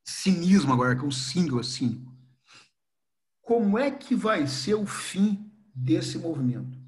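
A Brazilian man with a bright, high voice lectures a history class in a lively, animated way. He jokes with students and slips into voices to act out small scenes. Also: a little slow. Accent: Brazilian Portuguese. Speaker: history teacher.

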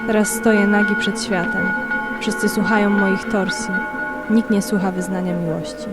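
A woman reciting poetry for an audio drama in measured, solemn, short phrases, with music behind her. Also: mid-range voice, flat delivery.

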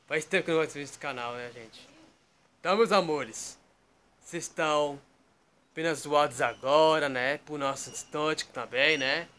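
Man, higher bright voice, rambling webcam vlog at home, endless tag questions. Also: moderate pace, clear, resonant tone. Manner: repeats "tá?" and "né?" constantly, loose digressive storytelling. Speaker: YouTube vlogger. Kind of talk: rambling casual talk to camera. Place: bedroom at home, indoors.

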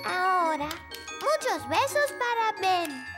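A woman with a Latin American Spanish accent voicing a sweet, excitable little fairy princess in a children's cartoon, childlike and expressive. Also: very high-pitched, slow, full character voice. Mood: cheerful. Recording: loud music behind.

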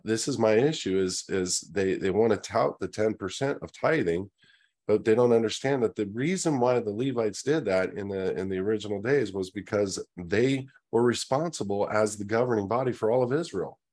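A man's voice: fairly low pitch, moderate pace, darkish tone. A middle-aged man speaking his opinions in a monologue on a video call, earnest, often restarting his words. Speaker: host. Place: indoors, virtual Q&A backdrop. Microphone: webcam video call.

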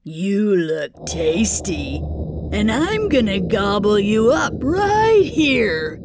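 A woman voicing a mean, hungry old male troll who lives under a bridge, speaking in a slow, menacing growl. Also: mid-range voice, big pitch swings, background noise, exaggerated voice.

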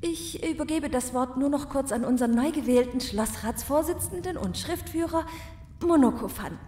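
Roomy sound, woman acting a courteous well-spoken castle servant, lilting high voice. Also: moderate pace, mellow, a little hiss or hum, natural voice. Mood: formal, persuasive. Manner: formal, courteous, smoothly official. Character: polite, diplomatic, eloquent female castle servant. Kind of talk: comic fairy-tale audio drama.

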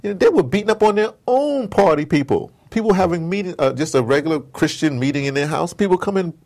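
Guy in an interview going off about politics, super animated, slangy, voice swings all over. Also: fairly high pitch, fast, creaky. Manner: animated, emphatic storytelling, acts out dialogue; informal street slang, rhetorical questions. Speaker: interview guest. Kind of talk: passionate conversational political commentary.

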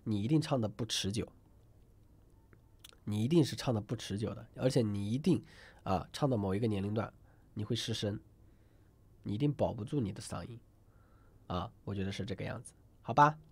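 His voice is husky and lowish, fairly quick but broken by frequent pauses. This man teaches singing in a live online class, chatting and wandering with plenty of fillers and restarts while often prompting students to enter numbers in the chat.

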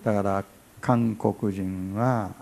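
A man in his sixties preaching a sermon as pastor, chatty and humorous, acting out little dialogues and swinging from quiet asides to loud bursts. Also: on the low side, steady tone, takes it slowly, gravelly, slight background noise.

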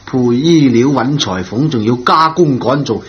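A man's voice: mid-range voice, normal speed, close to an everyday voice. Grumbling middle-aged dad, acted by a man, dull radio sound. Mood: grudging. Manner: sighing, mock-scolding. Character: grumbling, money-minded but indulgent middle-aged father. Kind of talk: radio drama acting. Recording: dull lo-fi radio, audible noise.

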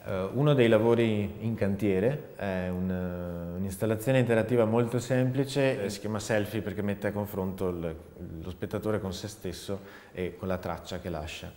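A man in his thirties speaks with a fairly low voice in a reflective interview. He is thoughtful and often searches for the next phrase. The sound is echoey, with the long reverb of a big empty studio. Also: normal speed, few pauses, warm tone. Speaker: multimedia theater artist. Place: large dark indoor studio, seated.

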